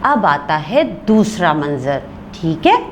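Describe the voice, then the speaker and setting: A woman's voice: sits low, big pitch swings, slow, slight background noise. A woman teacher reading a play aloud in a lesson and explaining it to pupils. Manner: explaining, checking understanding.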